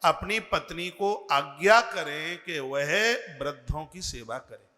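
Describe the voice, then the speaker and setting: A man preaching a devotional sermon, speaking slowly and earnestly and chanting scripture verses. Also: on the high side, lively intonation, bright, forceful tone, in a large hall. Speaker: religious preacher.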